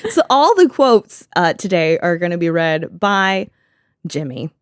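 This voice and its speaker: A woman hosting a podcast in an easy, sarcastic chat, laughing often and swearing freely. Her voice sits a little low and the sound is dry and close to the mic. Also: very animated, a little slow, clear, resonant tone, no echo. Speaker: podcast host. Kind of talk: casual chat.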